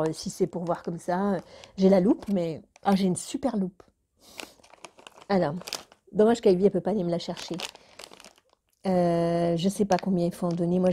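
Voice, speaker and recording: A woman's voice: on the low side, warm tone, a little hiss or hum. A woman vlogger chatting casually to her viewers in a rambling way, now and then talking to her cat. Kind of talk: casual chat to camera.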